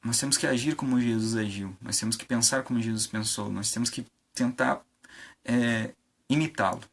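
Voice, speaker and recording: A man's voice: medium pitch, normal speed, gravelly, a bit bright. A man preaching an informal sermon on a live stream, conversational, with many fillers and rhetorical questions.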